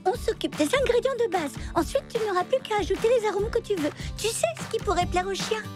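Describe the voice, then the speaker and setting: A woman's voice: extremely high pitch, animated, a little fast, over music. A woman voicing a helpful, upbeat young girl in a French cartoon dub. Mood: encouraging.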